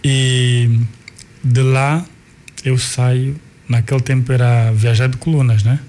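Angolan man telling his life story slowly. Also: medium pitch, little pitch movement, darkish tone, a little hiss or hum. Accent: Angolan Portuguese. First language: Kikongo. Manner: unhurried, restarts and repeats words while recalling. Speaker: guest, artist and cultural manager.

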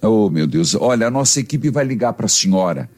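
A man's voice: fairly low pitch, animated, normal speed, a little mellow, soft background music. A man with a Brazilian accent, a priest hosting a religious call-in radio show, talking in a pastoral, exhorting way.

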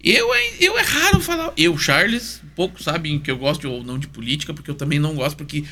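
A man's voice: fairly high pitch, very animated, fast, pushed and bright. A man, chatting casually and easily as an interview guest. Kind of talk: casual chat.

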